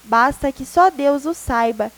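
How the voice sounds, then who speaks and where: A woman reads a melancholy young woman who speaks gravely but firmly, in a storybook reading. The voice stays high and light, close to the reader's own. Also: unhurried, low-quality recording.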